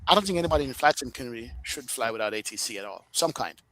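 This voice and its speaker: A man with a Jamaican accent, a flight sim streamer telling a lively story in a casual podcast chat, laughing often. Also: medium pitch, very fast, rough recording.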